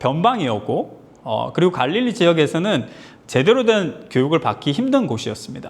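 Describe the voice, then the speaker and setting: A man speaks with vocal fry and very wide pitch swings. Room echo is audible. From Gyeongsang region, South Korea. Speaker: pastor. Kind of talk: sermon. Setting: church. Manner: hesitant fillers.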